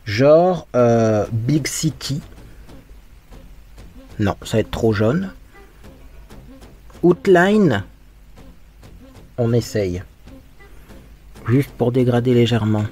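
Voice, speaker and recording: Over faint music, a male makeup vlogger speaks slowly in a dark, slightly rough mid-range voice, pausing often. His get-ready-with-me commentary is casual, frank and chatty, with lots of thinking aloud.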